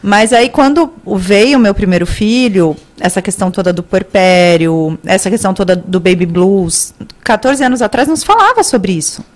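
A woman's voice: medium pitch, normal speed, few pauses. A woman in her forties, a guest on a podcast, talking at length in a casual chat and filling her talk with "assim" and "sabe". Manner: animated, explains at length with many "assim" and "sabe". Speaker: guest, author.

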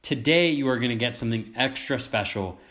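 A man's voice: mid-range voice, a little fast, a bit bright. A man with a cold hosts a casual podcast, his voice cracky and sniffly. He talks with eager energy, leaning on fillers as he chats. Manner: enthusiastic, chatty with fillers. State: sick with a cold, sniffling and coughing. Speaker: podcast host.

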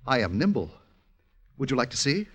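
Casting: nimble young gypsy peddler, naive and eager, husky animated delivery, vintage radio drama. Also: male voice, medium pitch, brisk. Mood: eager, uneasy. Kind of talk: 1950s radio drama acting.

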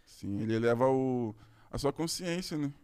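A man's voice: medium pitch, expressive, normal speed, a little mellow, smooth. Slangy Brazilian man telling a story. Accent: Brazilian Portuguese. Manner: slangy, rambling, full of "tipo" and "assim". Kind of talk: casual storytelling.

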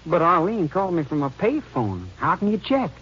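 A man's voice: a little high, big pitch swings, normal speed, a bit bright. An actor playing a nervous, evasive young man in a 1950s radio drama, defensive and hesitant. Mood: defensive, uneasy. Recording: muffled, very noisy old radio recording.

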